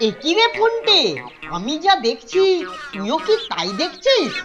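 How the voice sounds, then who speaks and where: Squeaky, excitable little cartoon boy. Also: measured pace, muffled recording, heavily acted. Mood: excited, worried. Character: anxious, excitable little schoolboy sidekick. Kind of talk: Bengali children's cartoon voice acting. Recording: loud music behind the voice.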